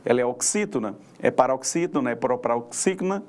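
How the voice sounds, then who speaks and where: A man's voice: mid-range voice, animated, fairly quick, darkish tone. A man with a Brazilian accent teaching a recorded adult-education language lesson, explaining step by step and often adding tag questions. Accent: Brazilian Portuguese.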